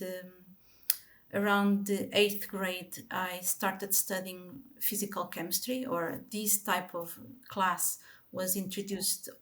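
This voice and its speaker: A woman's voice: medium pitch, fairly bright tone. A Portuguese woman speaking English with a Portuguese accent as an interview guest, telling her life story with many ums and restarts.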